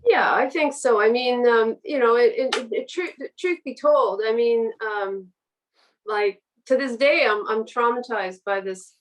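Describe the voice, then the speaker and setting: A woman's voice: fairly high pitch, measured pace, distant mic, rough recording. A woman guest author speaking on a literary podcast. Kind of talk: literary reading and podcast conversation.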